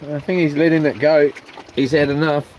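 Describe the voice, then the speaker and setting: A man with a broad Kiwi accent talks in a slightly high-pitched voice, rambling casually as if to himself. His speech is loose and slangy, in an outdoor vlog style. Light noise from the boat sits behind him. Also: flat delivery, normal speed, darkish tone. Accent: New Zealand. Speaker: vlogger. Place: outdoors on a small boat on water. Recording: noisy outdoor boat recording.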